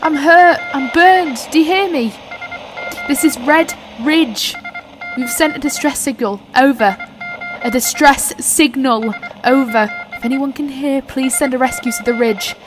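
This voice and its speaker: High-voiced, desperate female scientist. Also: unhurried, music in the background, low-quality recording. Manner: urgent, blunt, sweary. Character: injured, desperate, sharp-tongued female research scientist. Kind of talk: audio drama acting.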